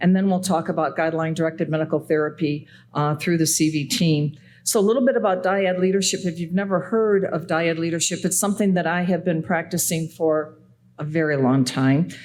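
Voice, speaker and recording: This woman talks at a fairly quick pace. Her pitch is fairly low, with ordinary variation. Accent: Chicago. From US Midwest, Chicago. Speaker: cardiology association president, former nurse. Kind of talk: conference keynote speech. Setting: conference auditorium. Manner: fast.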